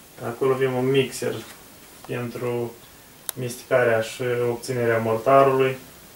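A man speaks at a medium pitch and a fairly slow pace, with flat, monotone intonation and long, frequent pauses. Audible room echo and light background noise sit behind him. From Moldova, Telenești; Moldova. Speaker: small business owner in construction; narrator showing equipment. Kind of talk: testimonial. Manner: halting, with frequent fillers. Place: home room.

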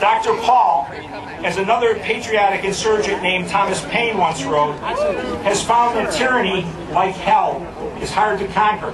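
The speech moves at a moderate pace with noticeable background noise behind it. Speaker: rally speaker. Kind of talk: rally speech. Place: open country.

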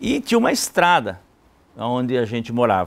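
A man's voice at a medium pitch moves along at a moderate speed. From São Paulo periphery, Brazil (early childhood in rural Paraná); São Paulo state, Brazil. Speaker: mayoral candidate, politician; candidate. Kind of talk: campaign livestream interview. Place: studio. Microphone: lapel.

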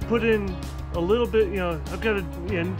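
A man's voice with clear music in the background. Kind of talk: casual vlog chat. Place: garden. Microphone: phone near.

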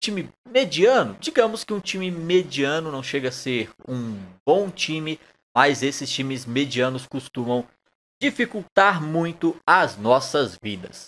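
With a Brazilian accent, a man speaks at a very slow pace in a fairly high pitch. His pitch swings very widely. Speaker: gaming youtuber. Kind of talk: live sports-game commentary while playing. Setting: gameplay recording with face cam. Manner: casual, informal, chatty.

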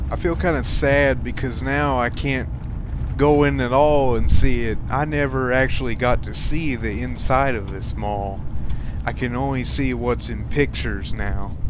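The man's fairly slow speech has a dry sound with no echo, though noticeable background noise runs beneath it. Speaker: travel vlogger. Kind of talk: casual vlog chat. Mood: a little wistful. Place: car. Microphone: phone near.

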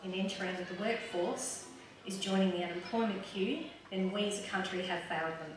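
With an Australian accent, a woman talks at a moderate pace amid strong room echo and noticeable background noise. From South Australia. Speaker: political candidate. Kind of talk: campaign speech. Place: hall. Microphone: podium.

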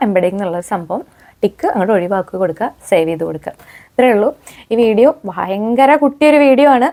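A woman talks with lively intonation. Her pitch is fairly high. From Kerala, Thrissur/Palakkad area (Shoranur, Vadakkanchery). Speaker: YouTuber. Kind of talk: tutorial. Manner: chatty, informal.

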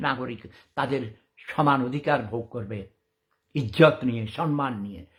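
On a very clean recording with a silent background, a man's medium-pitched voice has a bright, sharp tone and ordinary pitch variation. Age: 70s. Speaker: vlogger. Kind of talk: monologue to camera. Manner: halting.

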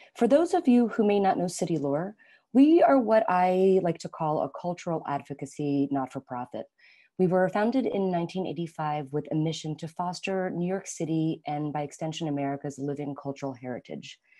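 Over a quiet background, a woman speaks at a fairly quick pace with lively intonation. Her voice is fairly low in pitch, with a dark, mellow tone. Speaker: arts nonprofit managing director. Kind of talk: event host introduction. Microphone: earbuds.

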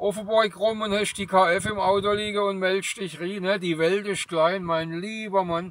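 Talking at a fairly slow pace, a man with a high voice keeps his intonation fairly even in a dry recording with no echo. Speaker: CB radio hobbyist. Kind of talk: radio chat over CB. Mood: cheerful, chatty. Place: car.

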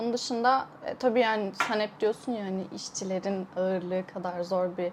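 The speaker keeps a calm tone at a moderate pace. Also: woman. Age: 20s. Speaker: psychologist. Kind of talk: casual chat.

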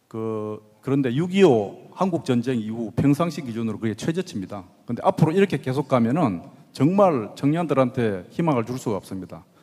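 Against a quiet background, a man with a dark, mellow tone speaks at a moderate pace, his pitch swinging very widely. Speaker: former car company executive, political recruit. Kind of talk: talk concert. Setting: stage with audience. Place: hall. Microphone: handheld.

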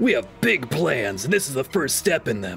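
Putting on a character voice, a man swings his medium pitch very widely at a moderate pace over clear background noise. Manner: menacing.

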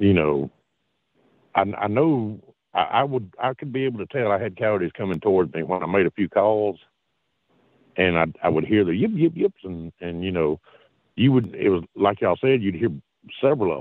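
In a Southern US accent, a man with a fairly low pitch and lively intonation talks at a moderate pace, leaving long, frequent pauses. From Alabama, US South. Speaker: coyote hunter. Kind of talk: casual chat. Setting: phone call.

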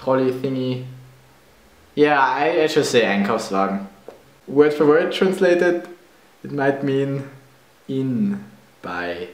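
A man with a German accent speaks at a very slow pace, using a fairly high pitch and lively intonation, with long, frequent pauses. His loudness swings widely, and room echo is audible. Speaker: vlogger. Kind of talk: casual talk to camera. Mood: playful, amused. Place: home room. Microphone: webcam.

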